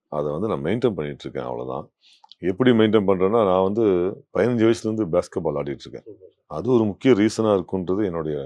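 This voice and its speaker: This man has a dark, mellow tone and lively intonation. The sound is dry and close, with no echo. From Tamil Nadu–Andhra border (Gummidipoondi area). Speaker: film actor. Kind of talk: interview.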